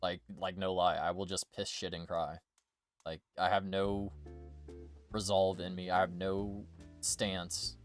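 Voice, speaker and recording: A man's voice: low voice, flat delivery, unhurried, faint music behind. A young man chatting casually as a streamer, rambling and joking with plenty of swearing. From United States. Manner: rambling, jokey, profane. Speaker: VTuber streamer.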